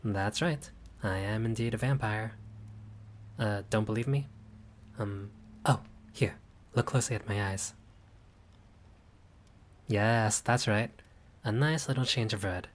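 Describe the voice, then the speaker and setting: A man's voice: fairly low pitch, measured pace, long pauses, slight background noise. A man voicing a friendly, showy young male vampire who chats playfully with a guest in a scripted audio roleplay. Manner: warm, chatty, playful.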